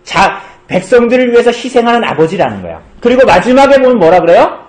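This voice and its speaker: A male pastor giving a children's sermon, asking the kids questions and answering them in a lively way. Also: very high voice, fast talker, echoey room. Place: church.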